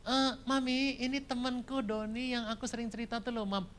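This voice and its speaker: A man's voice: very high voice, little pitch movement, a little fast, fairly bright tone, a little hiss or hum, pitched above the performer's own voice. A preacher voicing an eager young daughter introducing a friend to her mother.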